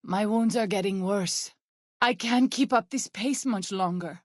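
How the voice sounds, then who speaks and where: A woman playing an earnest, protective tribal healer in a video game, speaking in formal, measured wording. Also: medium pitch, no echo, studio quality, lightly acted. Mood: urgent, pleading. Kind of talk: video game character voice lines.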